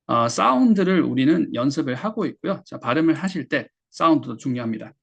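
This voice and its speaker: A Korean man teaching English pronunciation, patiently explaining and slowly repeating words for learners. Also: fairly high pitch, sing-song, creaky, a bit bright, slightly rough. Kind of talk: explaining lesson.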